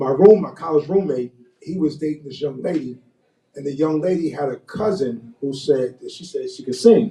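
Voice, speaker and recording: A man with a fairly high yet dark, mellow, somewhat breathy voice talks at a moderate pace. His intonation is lively, and his loudness swings widely. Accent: American. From North Carolina. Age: 60s. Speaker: author and speaker. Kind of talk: interview at a book event. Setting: bookstore event with audience.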